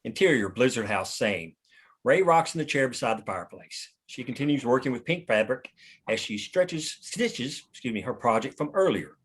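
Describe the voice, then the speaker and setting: A man's voice: medium pitch, expressive, moderate pace, husky. A man reading stage directions as scripted narration at a table read.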